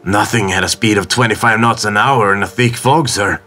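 A man's voice: lowish voice, normal speed, pushed and bright, faint music behind, pitched above the performer's own voice. A man voicing a defiant, bitter educated sailor who speaks with impassioned indignation, in a storybook reading. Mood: respectful.

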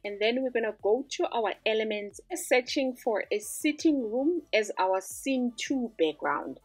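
A woman's voice: fairly high pitch, expressive, unhurried, slightly rough, dry recording, soft background music. A woman hosting a screen-recorded design tutorial, walking through each step in an upbeat, instructive way. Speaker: tutorial host.

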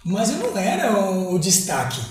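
A man's voice: sits high, wildly swooping pitch, normal speed, far from the mic. A man in his forties from Porto Alegre with a Gaúcho accent, a former footballer telling his story as an interview guest in a small studio, earnest and reflective with many restarts. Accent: Gaúcho Brazilian Portuguese. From Porto Alegre, southern Brazil. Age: 40s. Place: small studio with green set. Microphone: lapel mic. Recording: very echoey room, voice heard from afar.

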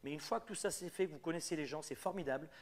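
A man's voice: a little high, very fast. A middle-aged man with a French accent, giving a live business coaching talk and hammering his key points home with repetition. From France. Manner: emphatic, repeats key points. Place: Quebec.

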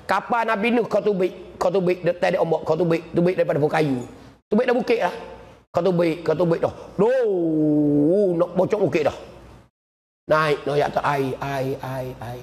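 A man with a Patani-Kelantan Malay accent, a religious teacher preaching a sermon, repeating words and chanting Quran verses slowly. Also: fairly high pitch. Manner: repetitive, drawn-out Quran recitation mixed with storytelling. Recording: echoey hall reverb.

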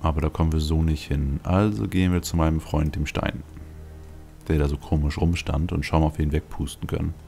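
A man with an extremely low, creaky voice talks casually through a video game as host. His asides are wry and dry-humoured as he thinks aloud. Music plays behind him. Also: fairly even intonation, brisk, dark tone. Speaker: let's play host.

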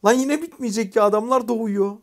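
A man commentating his own mobile game match, chatting casually, swearing lightly and shouting orders at teammates. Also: very high-pitched, a little fast. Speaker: gaming YouTuber. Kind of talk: live gameplay commentary.

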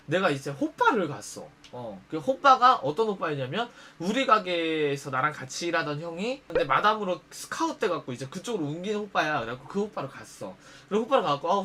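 Animated high-voiced man telling a story. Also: a little hiss or hum. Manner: animated, acts out quoted lines in shifting voices. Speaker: storyteller host. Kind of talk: casual storytelling monologue.

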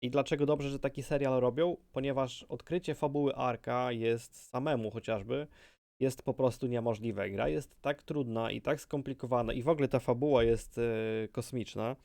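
A man's voice: mid-range voice, steady tone, normal speed, creaky, mellow, no echo. Man, dry casual gaming commentary. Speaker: gaming video creator.

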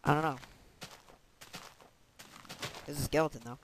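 A man's voice: a little high, steady tone, measured pace, a bit bright, slight background noise, low-quality recording. A man hosting a let's play, chatting casually and laughing easily while he plays. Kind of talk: casual gaming commentary.

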